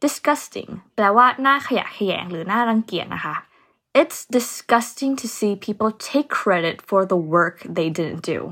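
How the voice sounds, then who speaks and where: A woman's voice: mid-range voice, expressive, extremely slow, a bit bright, slightly rough. A young woman hosting a casual vocabulary lesson, chatting easily and spelling words out letter by letter. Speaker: English teacher host.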